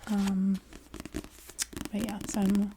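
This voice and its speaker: A woman chatting casually in a soft ASMR voice that often drops into a whisper. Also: medium pitch, completely flat delivery, takes it slowly, creaky, noisy background. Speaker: ASMR video creator. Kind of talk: soft-spoken ASMR, casual rambling chat.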